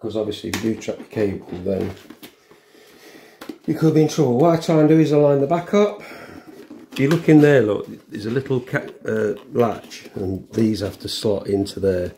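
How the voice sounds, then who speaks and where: Mellow man over noticeable background noise. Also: on the low side, animated. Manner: halting, unscripted, thinking aloud while working. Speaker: vlogger demonstrating a helmet intercom fitting. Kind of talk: casual hands-on tutorial chat. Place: room at home, indoors.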